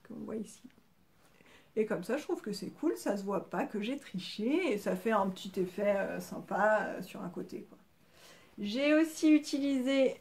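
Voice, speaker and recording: Chatty, rambling woman, a little high. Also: a little mellow. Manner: chatty, rambling, many hesitations. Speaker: crafting podcast host. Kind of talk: casual show-and-tell chat.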